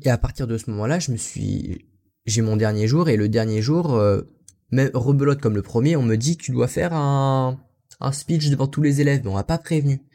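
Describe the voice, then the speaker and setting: A man's voice: mid-range voice, moderate pace, mellow. A young man from France, an English teacher, telling his story casually in an interview, rambling and often tossing in "you know" and "so". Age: young adult.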